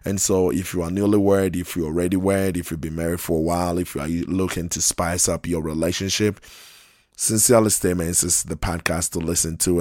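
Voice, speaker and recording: A man with a very low voice hosts his podcast while a little hoarse from losing his voice. He talks in an easygoing, rambling way, circling back and restarting his phrases. The sound is dry and close, with no room echo. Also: darkish tone. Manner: unhurried and conversational, repeats and restarts phrases. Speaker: podcast host. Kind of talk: casual solo podcast talk.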